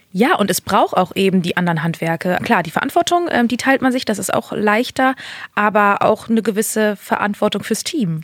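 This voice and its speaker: A woman's medium-pitched voice with a slight Rhineland accent, lively intonation and a moderate pace. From Bonn, Germany. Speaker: voice actor and TV actor. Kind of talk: casual chat.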